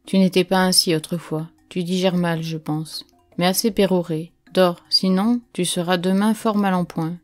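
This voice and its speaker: A woman voicing a gruff, weary man on a frozen trail, grumbling and dismissive, in an audiobook. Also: fairly low pitch, fairly even intonation, normal speed, no echo, soft background music, close to an everyday voice. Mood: sleepy.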